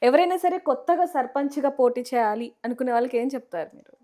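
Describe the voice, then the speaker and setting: A woman interviewer on a TV news channel, asking questions briskly and murmuring agreement. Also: sits high, mellow.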